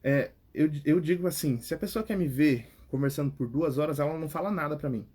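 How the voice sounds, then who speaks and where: A young man with a Brazilian Portuguese accent gives casual advice on paying attention in conversation. His voice sits slightly high and has a husky edge. He talks in an animated, direct way, often repeating words as he restarts a thought. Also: brisk. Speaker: speaking coach.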